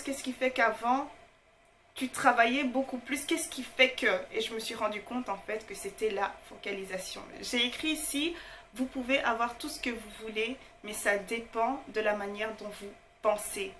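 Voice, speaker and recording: A woman whose first language is not French gives an emphatic, informal motivational talk to her online viewers, repeating her key phrases. Her fairly high voice is a bit bright and fairly even in intonation, at a moderate pace, with slight background noise.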